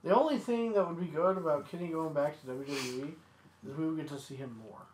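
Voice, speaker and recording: A man's voice: on the high side, quick pace, darkish tone. A man chatting casually on a wrestling podcast, recorded in an echoey room with faint noise.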